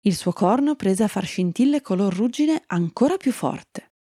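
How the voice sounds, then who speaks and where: Warm woman reading a children's fairy tale. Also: mid-range voice, lively intonation, normal speed, no echo, studio quality. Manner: gentle, friendly, addresses young listeners. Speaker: children's storyteller.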